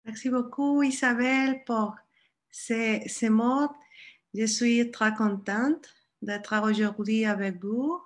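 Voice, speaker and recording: Slow, careful Mexican woman. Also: fairly high pitch. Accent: Mexican Spanish. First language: Spanish. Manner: careful, halting, searching for words. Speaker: guest speaker, doctoral researcher. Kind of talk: academic presentation. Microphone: online video call.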